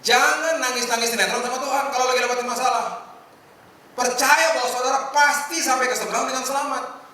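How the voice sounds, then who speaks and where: A middle-aged male pastor giving a lively, humorous sermon and acting out the lines he quotes. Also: extremely high pitch, fast. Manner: animated, humorous preaching with acted-out quotes. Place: hotel function hall. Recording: echoey hall from far off.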